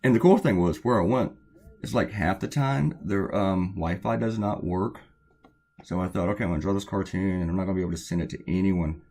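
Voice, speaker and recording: A man with a very deep, slightly hoarse voice talks casually while he draws. He rambles through anecdotes with lots of fillers and restarts, in a weak, worn voice. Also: brisk, darkish tone. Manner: rambling, chatty storytelling with many fillers. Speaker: cartoonist. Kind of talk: casual chat while drawing.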